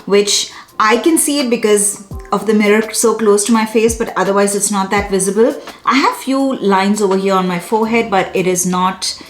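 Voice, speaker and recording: A woman's voice: medium pitch, moderate pace, roomy sound, soft background music. A woman in her thirties chatting to camera in a casual beauty review, effusive and often correcting herself. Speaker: beauty vlogger. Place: small bright room indoors.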